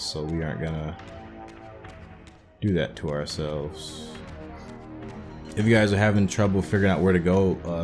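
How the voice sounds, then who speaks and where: A man's voice: sits low, darkish tone. A man hosting a gaming playthrough, commenting casually and informally as he thinks aloud and explains things. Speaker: gaming video host.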